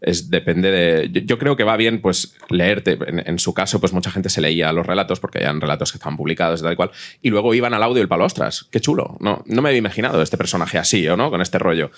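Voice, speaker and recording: A man's voice: low voice, expressive, fast. A man explaining things colloquially and emphatically as a fiction podcaster in a casual panel discussion.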